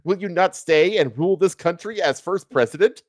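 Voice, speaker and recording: A man's voice: high-pitched, normal speed, dry recording, clean studio sound, voice pushed up, close to an everyday voice. A man playing grateful, pleading soldiers and statesmen in a storybook reading.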